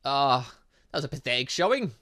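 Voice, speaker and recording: Animated bright-voiced man doing game commentary. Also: medium pitch, fairly quick. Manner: excitable, rambling, stumbles over read lines. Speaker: gaming video host, let's play narrator. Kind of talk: casual gameplay commentary, reading game dialogue aloud.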